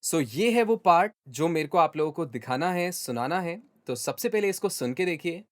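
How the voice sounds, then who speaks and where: High-pitched young Indian man explaining. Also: animated, moderate pace. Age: 20s. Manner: conversational, explanatory. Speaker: music mixing tutor and video host. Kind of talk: tutorial explanation, Hindi mixed with English terms. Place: small home studio, indoors.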